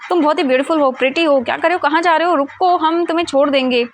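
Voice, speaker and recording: Woman doing creepy sleazy guys, slow smug taunting, high-ish voice. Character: sleazy menacing young men, leering thugs.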